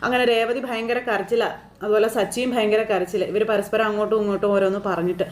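A woman casually retelling a TV serial episode in a chatty, animated way, often turning to the listener with little asides. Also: mid-range voice, a little hiss or hum. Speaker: serial recap storyteller. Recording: echoey room.

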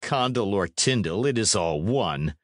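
Man acting a menacing, slow-spoken knight. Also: medium pitch, big pitch swings, fairly bright tone, no room sound. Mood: cool, mocking. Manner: dry, commanding, archaic speech. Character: menacing, coldly mocking middle-aged knight and lord.

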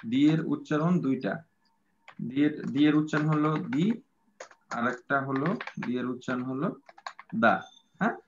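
Patient male teacher, higher voice, dull audio. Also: fairly quick, slight background noise. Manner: patient, repeats points, many fillers. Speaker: English teacher. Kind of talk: teaching a grammar class. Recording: dull lo-fi sound.

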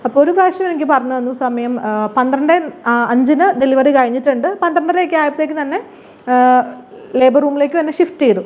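A woman with a high voice tells her own story in a relaxed, chatty vlog. She talks quickly and drops English words into her sentences. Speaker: vlogger telling her own birth story. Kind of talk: casual personal storytelling.

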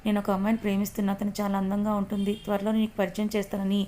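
A woman's voice: mid-range voice, monotone, racing, dark tone, a little hiss or hum, close to an everyday voice. A woman doing a menacing possessive young man. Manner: boastful, menacing.

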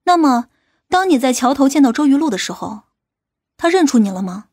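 A woman's voice: high voice, very animated, brisk, a little mellow, dry recording, clean studio sound. A woman playing a tough, skeptical policewoman who questions and challenges in an audiobook drama. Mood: probing. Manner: interrogating, challenging. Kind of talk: audiobook character dialogue.

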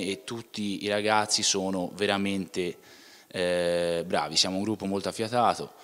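A man's voice: low voice, pushed and bright. A young man, a footballer answering interview questions plainly, often restarting and closing with "ecco". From Tuscany, Italy. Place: indoor club museum room. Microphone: handheld mic. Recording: room with long reverb.

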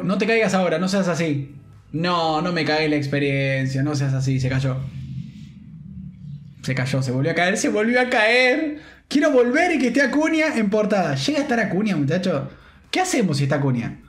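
A young man with a Rioplatense Spanish accent, commenting on game pack openings in an animated, slangy, joking way. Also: sits high, roomy sound. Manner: animated, slangy, jokey, shouts with joy. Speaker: gaming streamer.

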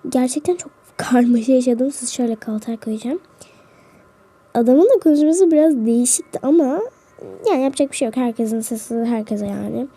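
A woman's voice: on the high side, a little fast, warm tone, husky. A woman hosting a role-play vlog who chats straight to her viewers as she narrates. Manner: chatty, talks straight to viewers.

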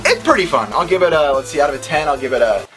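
A man hosting a retro game vlog indoors, his voice sitting a bit high and swinging all over as he jokes and rambles loosely. Loud background music runs under everything he says, giving it an easygoing vlog feel. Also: very animated, very fast. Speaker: host of a retro video game channel. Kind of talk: casual chat.

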